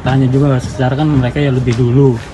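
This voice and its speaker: A man's voice: mid-range voice, little pitch movement, fast, background noise. A man interviewing a guest with short, casual prompting questions. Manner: brief prompting questions, frequent hums.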